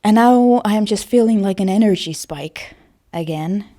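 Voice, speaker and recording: A woman talking in a casual personal vlog style, with a creaky voice and a hesitant, self-conscious, rambling manner. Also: mid-range voice, measured pace, dark tone. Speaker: voice actor vlogger.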